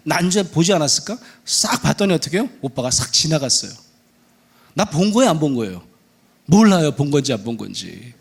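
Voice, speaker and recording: Animated pastor man, lively storytelling. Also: fairly high pitch, fairly quick, gravelly, breathy edge. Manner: animated storytelling, acting out dialogue in voices. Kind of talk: sermon with acted-out stories. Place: church sanctuary.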